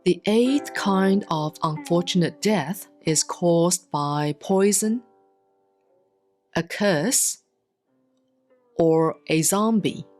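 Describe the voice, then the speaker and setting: A woman reads a Buddhist sutra aloud in a solemn, scripted style, with measured, deliberate enunciation and long pauses. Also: fairly low pitch, a little mellow. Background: instrumental music.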